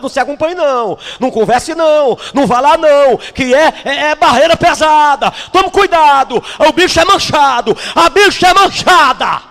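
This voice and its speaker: A man from Brazil, a bishop delivering an impassioned, scolding sermon that breaks into shouts. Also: very high voice. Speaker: bishop preaching. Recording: long hall reverb.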